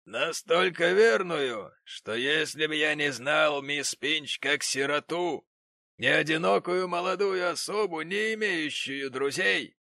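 A man's voice: fairly high pitch, slow pace, creaky, bright, forceful tone, no echo, pitched above the performer's own voice, heavily acted. A man voicing a pompous, indignant rich middle-aged father who owns a foundry, in an audiobook reading. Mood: haughty.

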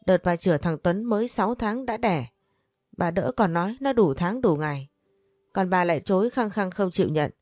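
A woman's voice: fairly low pitch, animated, normal speed, darkish tone, no echo, studio quality, lightly acted. A woman narrator voicing a stern older man, the betrayed head of the household, who speaks in a harsh, accusing way. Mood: bitter. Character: stern aging male patriarch, betrayed and cold.

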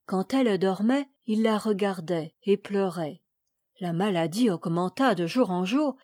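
A woman reading a classic children's tale aloud in a measured, expressive storytelling manner. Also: mid-range voice, no echo, clean studio sound. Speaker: reader.

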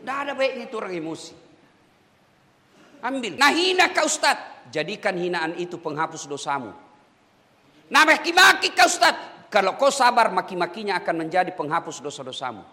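Animated high-voiced man preaching. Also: fairly quick, long pauses, long reverb tail. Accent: Makassarese Indonesian. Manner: animated, acts out dialogue, shifts voice sharply. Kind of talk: sermon to prison inmates.

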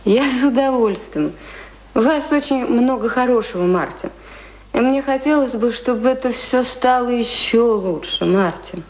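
An actress in a radio play playing a refined, educated young lady who reasons and gently corrects. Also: a little high, normal speed, natural voice, rough recording. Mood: gentle. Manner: genteel, reasoning, mildly reproving.

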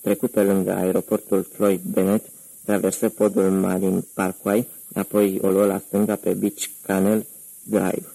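Brief: male audiobook narrator, very low and flat, dark, husky. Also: dry recording, low-quality recording. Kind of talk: audiobook narration of a crime novel.

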